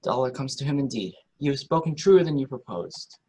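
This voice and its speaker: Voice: medium pitch, lively intonation, a little fast, mellow, breathy edge, low-quality recording. A performer reading a kindly, talkative, optimistic old courtier in a Shakespeare radio play, with earnest, wordy delivery.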